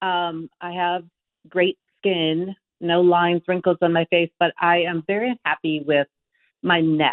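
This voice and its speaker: A woman with a plain, everyday voice speaks fairly slowly, her pitch fairly low and her intonation fairly even. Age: 60s. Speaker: caller. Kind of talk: phone-in question. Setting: phone call.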